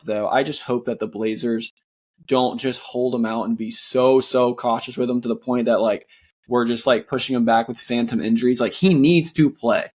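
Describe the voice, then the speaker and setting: A man co-hosting a casual sports podcast, talking earnestly with a sore throat and plenty of fillers. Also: mid-range voice. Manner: earnest, rambling with many fillers and restarts. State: sore throat, voice sounds worn. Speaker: podcast co-host.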